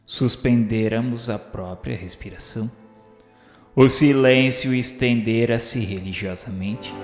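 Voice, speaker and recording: A man's voice: medium pitch, takes it slowly. A Brazilian man reading a novel as grave, declamatory, formal dramatic narration. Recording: roomy long reverb with music.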